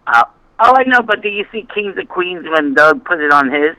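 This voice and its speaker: An older man calling in to a sports talk show over the phone, rambling and trailing off mid-sentence in a high-pitched voice. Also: lively intonation, normal speed, pushed and bright, no room sound, poor audio. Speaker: caller. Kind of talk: casual call-in chat.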